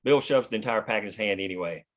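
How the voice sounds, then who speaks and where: A man's voice: on the low side, fast. Man reading screenplay stage directions. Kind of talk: scripted narration of screenplay action.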